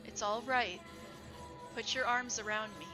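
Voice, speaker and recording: A woman playing a calm, gentle young woman who speaks softly and soothingly. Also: fairly high pitch, a little slow, over music, close to an everyday voice. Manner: soft, soothing.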